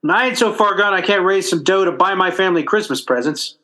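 A man's voice: high voice, quick pace, pushed and bright. A man acting a blustering, hapless working-class father in old-time radio comedy, stammering in folksy, ungrammatical talk.

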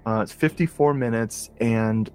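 A man chatting on a podcast, enthusiastic and rambling, often stopping to restart a sentence. His voice sits at an everyday middle pitch, with faint music behind him. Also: measured pace, darkish tone, smooth. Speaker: podcast co-host. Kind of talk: casual chat about horror movies.

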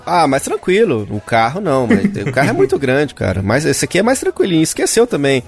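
A man co-hosting a casual comedic podcast, telling a story in animated style and acting out the characters. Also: a little high, fairly quick, faint music behind. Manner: animated storytelling, acts out characters, laughs often. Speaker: podcast co-host.

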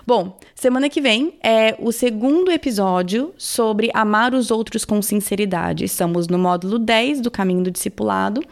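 A woman's voice: medium pitch, moderate pace, vocal fry, hardly any pauses. A woman hosting a podcast, talking casually and chattily with frequent laughs and asides. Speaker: podcast host. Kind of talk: casual chat.

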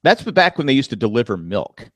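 Man, podcast co-host, casual chat, animated storytelling, medium pitch, dry close sound. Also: a little fast, no room sound. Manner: animated storyteller, acts out customers in raised voices.

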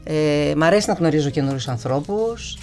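A woman with a low voice and a slight tremble, raised speaking Russian. She talks in a reflective, unhurried way, trailing off into soft fillers. A faint bed of music sits under her speech. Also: animated. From grew up in Russia. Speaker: guest singer. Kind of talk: relaxed interview conversation.

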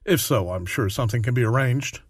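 A man voices a patient psychiatrist who speaks in a soothing, measured, clinical way in a comic radio play. His voice sits in a middle range, recorded dry and close. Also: mid-range voice, husky, dry recording, lightly acted. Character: calm, patient male psychiatrist.

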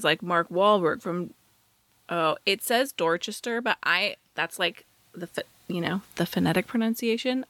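A woman's voice: medium pitch, sharp tone, no echo. A woman co-hosting a podcast in a casual, conversational and emphatic way. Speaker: podcast co-host. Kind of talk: casual chat, reading listener email aloud.

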